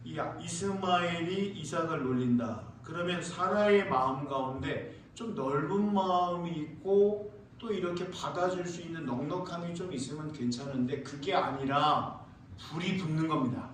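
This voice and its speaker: A man preaching a sermon as pastor, telling lively stories and asking the congregation questions. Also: on the high side, normal speed, slight background noise. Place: church sanctuary. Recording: echoey church hall, mic far off.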